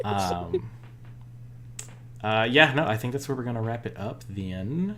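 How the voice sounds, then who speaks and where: Here is a man with an unremarkable speaking voice at a medium pitch. His pitch varies in an ordinary way. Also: fairly slow pace. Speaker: podcast co-host. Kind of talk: casual chat.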